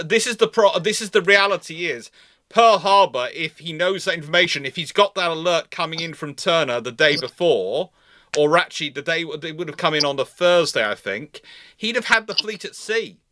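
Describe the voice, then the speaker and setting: Male history host, bright forceful voice, close dry sound, emphatic and repetitive as he reasons aloud. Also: on the high side, normal speed, no echo. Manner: emphatic, repeats phrases, rephrases mid-sentence. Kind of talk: live question-and-answer talk on naval history.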